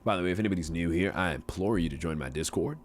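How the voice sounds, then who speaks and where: A man's voice: low-pitched, rapid-fire, a little hiss or hum, close to an everyday voice. A man in his forties putting on an American Southern accent as a folksy, amiable frontier fellow with courtly phrasing, chatting casually on a game livestream. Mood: amiable, chatty. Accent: put-on American Southern. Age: 40s. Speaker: game streamer. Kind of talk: casual livestream chat in character.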